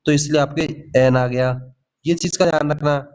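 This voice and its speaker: A man teaching English grammar in for exam prep, lively, often asking "ठीक है?" and calling his students "भाई". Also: on the high side, normal speed. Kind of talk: Hindi grammar lesson with English examples. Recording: slightly dull lo-fi audio.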